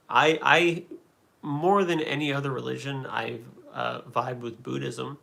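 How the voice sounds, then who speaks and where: A man's voice: medium pitch, gravelly, pushed and bright. A man hosting a livestream, chatting casually and answering comments, rambling with many fillers and restarts. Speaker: livestream host answering chat.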